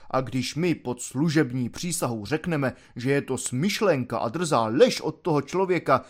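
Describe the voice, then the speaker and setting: Audiobook role: man playing a bossy, self-important sergeant, lively and loud when barking orders. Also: fairly high pitch. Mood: scheming. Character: pompous stern male gendarme sergeant.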